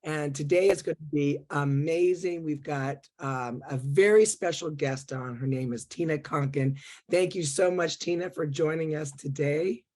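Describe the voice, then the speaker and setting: A woman's voice: sits low, normal speed, dark tone. A woman hosting a Christian interview show, upbeat and chatty with many fillers. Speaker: host.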